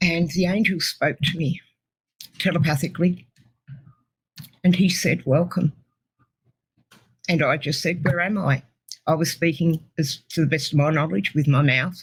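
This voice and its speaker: A woman with an Australian accent speaks at a moderate pace, her pitch very deep and low and her voice somewhat breathy. Her loudness stays very even, broken by long, frequent pauses. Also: ordinary pitch variation. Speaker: near-death experiencer. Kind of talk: testimony.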